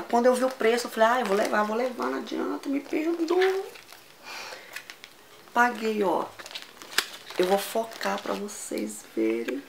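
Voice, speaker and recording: A Brazilian woman vlogging a casual shopping haul, gushing and excitable, repeating words as she shows each item. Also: mid-range voice, vocal fry, noisy background. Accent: Brazilian Portuguese. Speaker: fashion vlogger.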